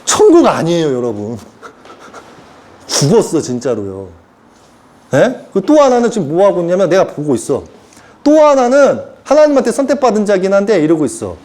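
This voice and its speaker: A man's voice: high voice, huge pitch swings, normal speed, mellow. A man giving an informal sermon lecture as a self-styled prophet, acting out characters in put-on voices and chuckling as he talks.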